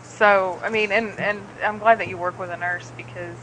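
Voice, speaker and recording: A woman's voice: medium pitch, fairly even intonation, moderate pace, crowd noise, rough recording. A woman chatting casually over a call, blunt and emphatic, swearing freely when she gets worked up. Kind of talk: casual chat. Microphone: remote call.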